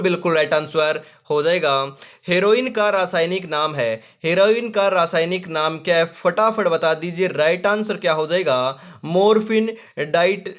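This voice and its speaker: A man's voice: high voice, a bit bright. A young man teaching an exam-prep lesson, reading quiz questions and options and stressing the right answers, calling his viewers friends. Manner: repetitive, emphatic, addresses viewers as friends.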